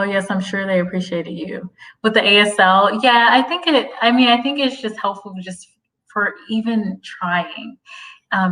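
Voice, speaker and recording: A woman's voice: mid-range voice, sharp tone, distant mic, rough recording. A woman hosting a casual livestream, reading viewer comments aloud, chatty and prone to tangents, with frequent laughs. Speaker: host of a career-advice livestream.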